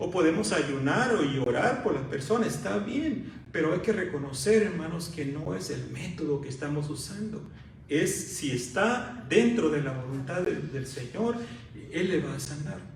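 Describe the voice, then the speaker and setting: Over noticeable background noise, the speaker goes at a fairly slow pace with very wide pitch swings. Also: man, fairly high pitch for a man. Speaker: pastor. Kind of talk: sermon preached to a congregation.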